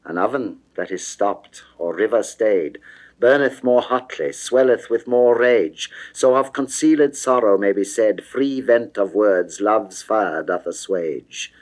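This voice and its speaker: A man narrating a poem as theatrical classical verse, moving between hushed and declamatory delivery. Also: fairly low pitch, rough recording. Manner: dramatic, measured, swinging between hushed and declamatory. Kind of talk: classical theatrical verse recitation, 1960s recording.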